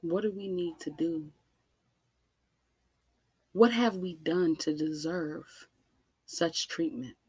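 A woman with an African American accent delivering an impassioned monologue, emphatic and deliberate, with rhetorical questions and repetition. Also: on the low side, darkish tone, breathy edge, no echo. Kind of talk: impassioned spoken monologue to listeners.

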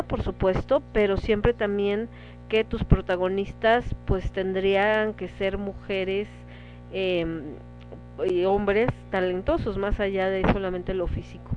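Woman, Mexican Spanish accent, talk show host, casual chat, muffled lo-fi sound, faint background music. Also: medium pitch. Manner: conversational, reads listener comments aloud. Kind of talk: casual opinion talk to listeners.

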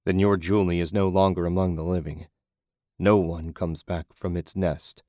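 A calm, grim blind man leading strangers through the tunnels, done by a male narrator. His voice is deep and matter-of-fact. The recording is dry and close. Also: moderate pace, no echo, natural voice.

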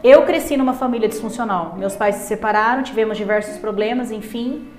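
A woman psychologist chatting on a podcast, blunt and animated, acting out the people she quotes. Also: a little high, fairly quick. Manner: animated, blunt, acts out quoted parents and patients. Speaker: psychologist guest. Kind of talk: casual podcast chat. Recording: roomy echo.

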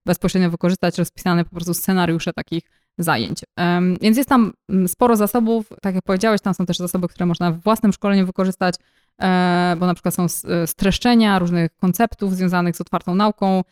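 A woman's voice: fairly low pitch, steady tone, brisk, a little mellow. A young woman co-hosting a podcast in casual conversation, explaining things at length with frequent hesitations and fillers. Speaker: podcast co-host.

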